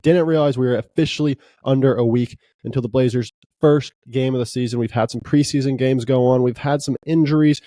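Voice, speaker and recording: A man hosting a casual sports podcast, relaxed and rambling, with lots of fillers. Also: medium pitch, no room sound, clean studio sound. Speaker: podcast host.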